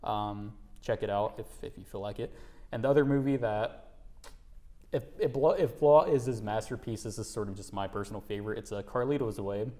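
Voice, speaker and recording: A man's voice: lowish voice, fairly quick, darkish tone. Young male host, casual and upbeat, chatty interviewer. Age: young adult. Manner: upbeat, laid-back, lots of fillers and laughs.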